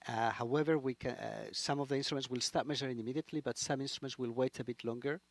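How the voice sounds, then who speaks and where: A male program manager answers as an interview guest in a halting, searching way. His voice is mid-pitched with a heavy gravelly creak. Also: fairly even intonation. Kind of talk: live interview.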